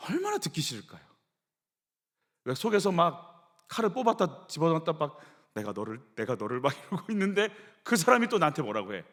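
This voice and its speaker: A man preaching a sermon in a church, animated storytelling with acted-out quotes. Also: on the high side, long reverb tail. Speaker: pastor. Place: church sanctuary.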